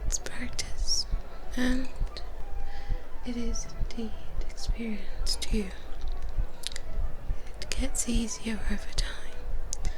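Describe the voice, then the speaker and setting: A woman playing a gentle vampire sister in an ASMR roleplay, reassuring in a breathy whisper close to the microphone. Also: on the high side, steady tone, low-quality recording. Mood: comforting. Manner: soothing, reassuring, slow and deliberate. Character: gentle female vampire twins soothing a young fledgling. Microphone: close microphone for headphone listening.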